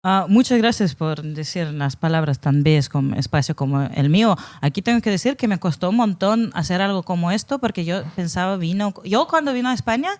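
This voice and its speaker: A woman's voice: on the low side, expressive, fairly quick, few pauses, darkish tone. A woman podcast host speaking Spanish as a second language with a foreign accent, chatting casually and searching for words. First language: not Spanish, learned it as an adult. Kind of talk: casual conversational interview.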